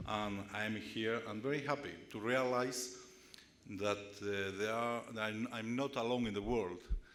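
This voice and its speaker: This man has a medium pitch and speaks at a moderate pace. His intonation stays fairly even. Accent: non-native. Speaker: engineering contractor CEO. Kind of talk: panel discussion.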